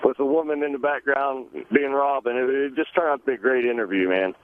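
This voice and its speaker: A man's voice: medium pitch, brisk, no echo. A man calling in to a radio show, chatting casually over a phone line. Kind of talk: casual call-in chat. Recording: narrow tinny phone line.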